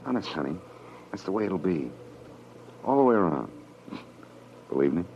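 A low-voiced, hard-boiled American private eye in a vintage radio drama. He is wry and terse, narrating and talking in slangy, tough phrases. The old recording is noisy and muffled. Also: very animated, normal speed. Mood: reassuring, tender. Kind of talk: 1940s radio drama acting, first-person narration.

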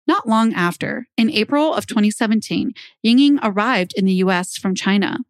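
A woman's voice: mid-range voice, expressive, moderate pace, no room sound. A young woman hosting a true crime podcast, reading scripted narration into a close microphone. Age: young adult. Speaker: podcast host.

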